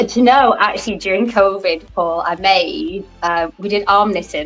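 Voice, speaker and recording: Over noticeable background noise, a woman with a northern English accent speaks at a moderate pace with lively intonation. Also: medium pitch for a woman. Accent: broad northern English. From northern England. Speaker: coach. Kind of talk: interview.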